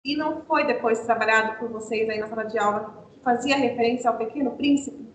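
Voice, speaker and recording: A Brazilian woman explains classroom methods to teachers over a video call, asking questions and then answering them herself. Her voice sits a little high. The sound is roomy and echoey, with a faint low rumble underneath. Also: brisk. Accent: Brazilian Portuguese. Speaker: teacher trainer. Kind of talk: online teacher training talk.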